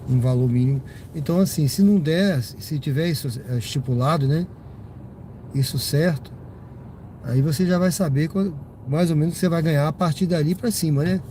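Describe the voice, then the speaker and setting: Streaming live from his car on a night drive, this Brazilian rideshare driver talks to viewers in a slightly high, dark-toned voice. His cold leaves him a little stuffy as he rambles on, often ending lines with tag questions, over the hum of the car and road.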